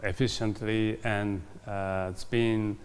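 A man's voice: fairly low pitch, little pitch movement, slow, clean tone. A man, a diplomat giving a formal interview, with many hesitations and fillers. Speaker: ambassador interviewed. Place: formal reception room, indoors. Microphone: lapel mic.

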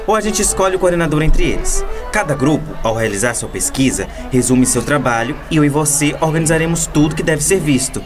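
A man's voice: a little high, lively intonation, fairly quick, few pauses, lightly acted. A man playing a confident, organised teenage class president in a radio drama, explaining things in a youthful way. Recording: music behind.

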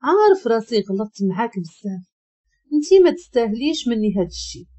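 A woman's voice: a little high, sing-song, quick pace, warm tone, slightly rough. A woman voicing a distraught young husband with a Moroccan accent, pleading and urgent.

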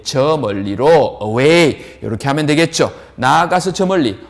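A man teaching an English lesson, asking his students questions and answering them himself, drawing out the English words slowly as he models them. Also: a little high. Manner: animated, asks and answers his own questions. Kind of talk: lively classroom-style lesson.

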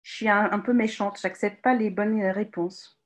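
A woman from Ukraine leading an online teacher workshop in French on a video call, lively and encouraging, with many hesitations and fillers. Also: mid-range voice, normal speed. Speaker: teacher trainer giving a webinar talk. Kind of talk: live online workshop presentation. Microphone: computer mic on a video call.

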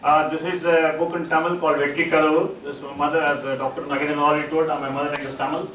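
A man's voice: on the high side, little pitch movement, fairly bright tone. Indian guy presenting at a conference, lots of uh, roomy hall, heard from way back. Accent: Indian English. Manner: halting, with frequent uh fillers and restarts. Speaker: psychologist giving a conference talk. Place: large auditorium stage. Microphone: distant room mic, speaker standing on stage. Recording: echoey auditorium, far from mic, noisy.

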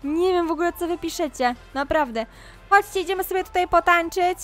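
Here the voice is very high-pitched, brisk and a little bright, with faint music in the background. A Roblox YouTuber role-plays a mother reprimanding her kids, giving gameplay commentary and asides to the people watching.

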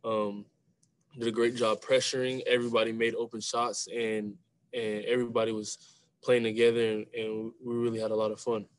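A young man, a college basketball player, answering questions at a postgame press conference over a video call, speaking softly and often repeating words as he starts a phrase. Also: medium pitch, level tone, normal speed, no echo. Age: young adult. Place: small room with a sponsor backdrop. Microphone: video call webcam.

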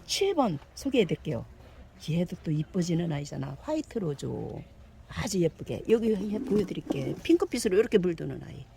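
A woman giving a cheerful live sales pitch for succulent plants, gushing and exclaiming over each one and chatting aloud to herself. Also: very animated, normal speed, dark tone, slight background noise. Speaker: succulent seller.

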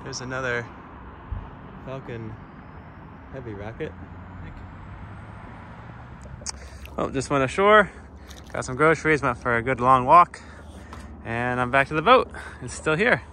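With wind and water audible in the background, a man in his thirties records a casual sailing vlog aboard a small boat, phone at arm's length. He speaks a little slowly in a mid-range voice and pauses often, thinking out loud and drifting loosely across topics.

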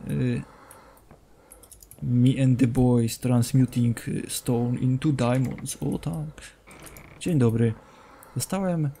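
A man's voice: medium pitch, a little mellow, a little hiss or hum. A young man commentating a horror game as a streamer, joking, talking to the game's characters and dropping English phrases. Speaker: gaming streamer.

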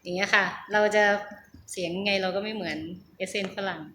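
A woman's voice: medium pitch, fairly even intonation, brisk. A middle-aged Thai woman talking casually about practicing English, hesitant, repeating words and laughing at herself. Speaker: English learner sharing her practice. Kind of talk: casual vlog with pronunciation practice. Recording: echoey room with faint hum.

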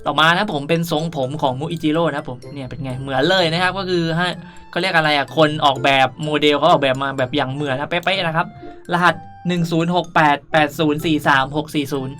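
A young man speaks in a bright, forward voice as a gaming channel host. He rambles playfully through a casual tutorial, with faint music behind him. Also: fairly high pitch, fast talker. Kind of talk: casual game tutorial commentary.

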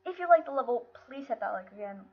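A woman's voice: fairly high pitch, lively intonation, fast talker, husky, soft background music. A woman hosting her own channel, talking casually while she plays a game, her voice worn by sickness and often frustrated. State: sick, voice affected. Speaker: gaming channel host. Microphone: built-in mic, no headset. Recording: dull lo-fi built-in mic.

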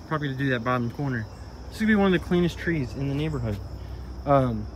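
A man talks through a hands-on tool test in a relaxed, rambling way, full of "um"s and restarts. He is recorded outdoors on a first-person camera. Faint insect and outdoor noise sits behind his voice. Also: on the high side. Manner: rambling, self-correcting, filler-heavy. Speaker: tool reviewer. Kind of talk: casual product demo vlog. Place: outdoor garden walkway by a tree. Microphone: body-worn camera, first-person view.

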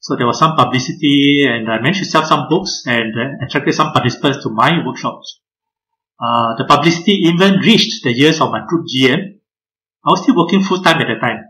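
An older man presenting a talk over a video call, speaking in a measured way and often pausing on "uh". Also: mid-range voice, sharp tone, rough recording. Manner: measured, many filler uhs, addresses the audience directly. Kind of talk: webinar presentation.

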